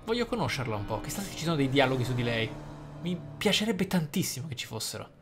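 Speaking quickly and very animatedly over music, this man has a mid-range voice. He's hosting a role-play gaming video, commenting reflectively and explaining as he goes, with some in-game text read aloud. The audio carries faint noise and game ambience.

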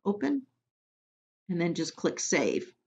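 A woman from Missouri training clinic staff in a screen-recorded software tutorial, giving plain step-by-step instructions with frequent ums. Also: lowish voice, wildly swooping pitch, takes it slowly, breathy edge. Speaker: immunization program trainer. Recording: dull lo-fi audio.

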